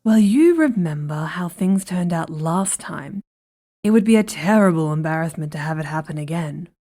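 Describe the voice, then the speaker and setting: Skeptical queen, female actor: dark, soft-edged, fairly low, regal and dismissive. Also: animated, normal speed. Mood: cool, dismissive. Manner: regal, dismissive, clipped irony. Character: cool, skeptical, haughty queen. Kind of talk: fantasy audio drama acting.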